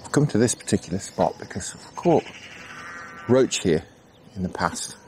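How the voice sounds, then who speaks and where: Fishing outdoors on a canal bank at dawn, this middle-aged English angling vlogger muses aloud in a relaxed way, dropping in casual fillers. He speaks at normal speed with a lowish, darkish voice and lively intonation. Birds and insects sound behind him, and there's a little hiss or hum.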